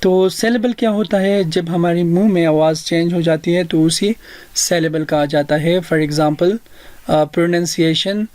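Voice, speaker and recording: A man with a South Asian accent giving a language lesson as a teacher, deliberately explaining and repeating phrases for learners. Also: a little high, steady tone, darkish tone, no echo. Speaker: English teacher.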